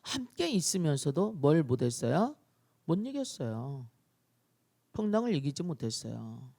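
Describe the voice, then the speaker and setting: A male pastor preaching a dawn-prayer sermon, telling the story in an animated way and acting out scenes. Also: on the high side, unhurried, gravelly.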